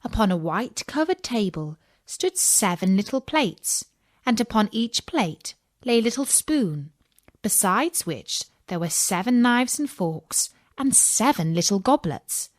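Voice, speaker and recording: A woman storyteller narrating a scripted children's fairy tale in a measured, deliberate read-aloud delivery. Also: mid-range voice, sing-song, no room sound, studio quality.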